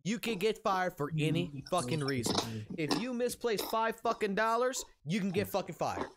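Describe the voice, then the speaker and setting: A man's voice: high voice, expressive, moderate pace, very noisy. A man in his thirties ranting on stream in an open discussion, heated and profane, restarting his sentences often. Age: 30s.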